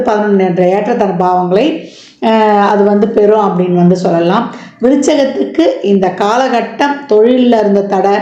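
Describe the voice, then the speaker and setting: A woman astrologer explaining a yearly forecast in a steady, explanatory way, listing one point after another with many fillers. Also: fairly high pitch, echoey room, highs cut off. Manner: explanatory, lists items with frequent fillers.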